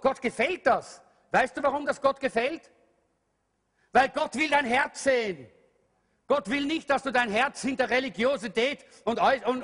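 High-pitched pastor preaching loud then soft, big hall echo. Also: male voice. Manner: emphatic preaching, calls out to the congregation, swings loud and soft. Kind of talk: sermon. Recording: long hall reverb.

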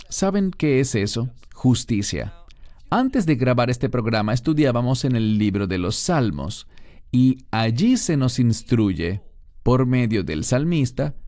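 Lively man teaching scripture. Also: mid-range voice, dry recording. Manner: lively, questioning the listeners. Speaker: bible teacher. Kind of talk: recorded bible teaching program.

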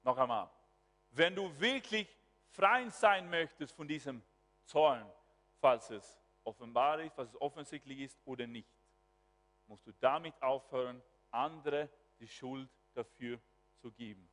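Preaching pastor in an echoing hall. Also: male voice, medium pitch, a little slow. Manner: animated preaching, swinging from quiet asides to loud exclamations. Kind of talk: sermon. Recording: long hall reverb.

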